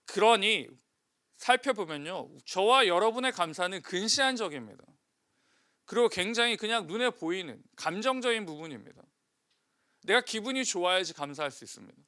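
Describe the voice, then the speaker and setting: A man's voice: high-pitched, expressive, moderate pace, bright, forceful tone. A male pastor preaching a sermon, putting questions to the congregation and answering them himself.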